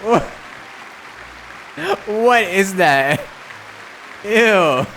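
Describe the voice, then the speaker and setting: A man's voice: sits high, expressive, drawn-out words, a bit bright, a faint crowd, a little hiss or hum. A man live-streaming a game with casual, sweary, joking commentary to his chat, often exclaiming.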